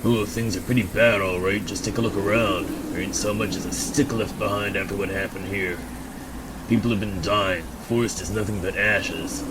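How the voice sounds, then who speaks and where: A man's voice: lowish voice, fairly even intonation, very noisy, lightly acted. A man playing a suspicious, desperate backwoods drifter with a folksy, accusing manner in an amateur radio drama. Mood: bitter. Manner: folksy, accusing, drawn-out taunting.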